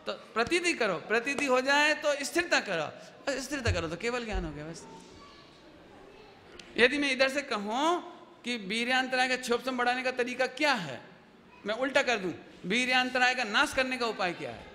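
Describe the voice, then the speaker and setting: A man's voice: extremely high pitch, normal speed. A man giving a devotional sermon to an audience, telling stories and asking his listeners questions. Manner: lively storytelling, asks the audience questions. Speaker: religious teacher giving a discourse. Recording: long hall reverb with faint background noise.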